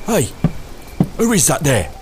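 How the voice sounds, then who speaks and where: An actor playing a foul-mouthed, cocky raider thug with a British accent in a dark audio drama, coarse and mocking. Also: male voice, a little high, huge pitch swings, a little slow, noisy background. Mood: irritated, suspicious.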